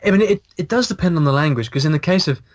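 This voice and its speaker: A man in his thirties, a guest on a video call, talking in a casual, animated way and restarting his sentences as he thinks aloud. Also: on the high side, rapid-fire. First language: English. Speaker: guest, language blogger. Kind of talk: casual interview. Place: small room indoors. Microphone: video call, earphones, mic in front.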